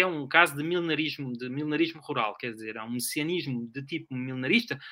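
A man talks at a very fast pace. His tone is bright and sharp, with a fairly high pitch. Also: very clean recording, silent background. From Portugal. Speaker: historian and author. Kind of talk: interview. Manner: halting, many repetitions.

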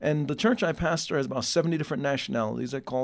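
A man with an American accent and ordinary pitch variation, on a very clean recording with a silent background. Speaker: pastor and author. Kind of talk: interview conversation.

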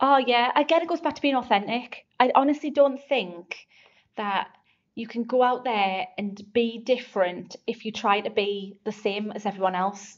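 This voice has a North East England accent and a moderate pace. The pitch moves in an ordinary way. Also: woman, fairly high pitch for a woman. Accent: North East English (Geordie). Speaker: business founder and recruiter. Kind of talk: casual interview.

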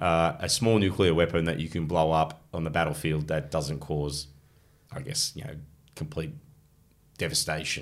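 A man with an Australian accent at a fairly quick pace. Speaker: podcast host and author. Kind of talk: interview.

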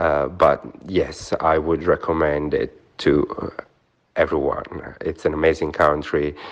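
A man speaks with an Italian accent. His pace is very slow. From Italy. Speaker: restaurateur. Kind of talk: interview. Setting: phone call.

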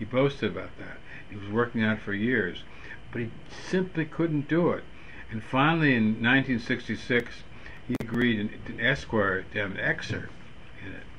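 A man with an American accent speaks at a moderate pace with long, frequent pauses and big swings in loudness, over noticeable background noise. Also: medium pitch for a man, ordinary pitch variation. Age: 80s+. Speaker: author and biographer. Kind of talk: radio interview. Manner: halting.

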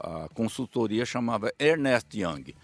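This man talks with lively intonation while music plays in the background. The sound is dry and close, with no echo. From interior of São Paulo state, Brazil. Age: 70s. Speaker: cattle rancher. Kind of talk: casual chat. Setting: outdoors. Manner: animated.

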